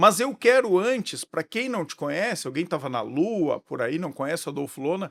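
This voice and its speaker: At a fairly quick pace, the voice makes very wide pitch swings in a dry, close sound with no echo and a very clean recording with a silent background. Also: man. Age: 50s. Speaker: podcast host. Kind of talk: interview.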